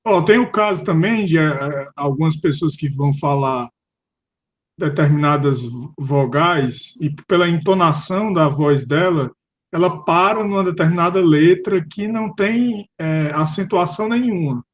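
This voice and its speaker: Brazilian man, slightly high voice, unsure questioner who restarts words. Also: unhurried, slight background noise. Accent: Brazilian Portuguese. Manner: questioning, uncertain, restarts often. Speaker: philosophy study group participant. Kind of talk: casual discussion.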